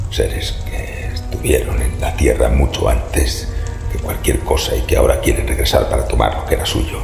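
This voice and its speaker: An actor playing a haunted, secretive old man who gives grave, ominous warnings in a horror audio drama, with a rasping voice. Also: extremely low pitch, heavily acted. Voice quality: very gravelly, breathy rasp. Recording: echoey hall reverb, faint noise.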